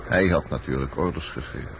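A man's voice: extremely low pitch, brisk, gravelly, fairly bright tone, exaggerated voice. An actor playing a suspicious, probing man in a radio drama, terse and pressing. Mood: uneasy, pressing. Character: probing, suspicious man questioning his companion. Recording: muffled, noisy old radio recording.

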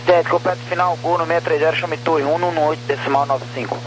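A man's voice: on the high side, fairly even intonation, a little fast, over music. A man working as an air traffic controller, giving clipped, procedural instructions over aviation radio. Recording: humming, noisy aviation radio.

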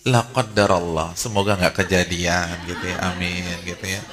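A man preaching a sermon to women, animated and conversational. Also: sits low, normal speed, a crowd in the background. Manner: animated, conversational, acts out short quoted voices. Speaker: Islamic preacher.

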